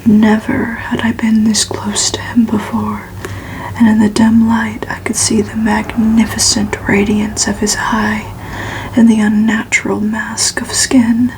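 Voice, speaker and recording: A woman reads a gothic novel aloud for ASMR in a soft, hushed whisper, narrating evenly. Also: a little high, slight background noise, low-quality recording. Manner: slow, hushed, even narration. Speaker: ASMR reader.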